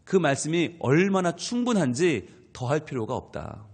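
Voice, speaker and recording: A high-voiced male pastor preaching with lively, swooping intonation, acting out voices as he explains. His voice carries the long reverb of a church hall. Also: moderate pace, slightly rough. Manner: animated preaching, acting out skeptic and believer voices. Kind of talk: dawn prayer sermon. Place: church sanctuary.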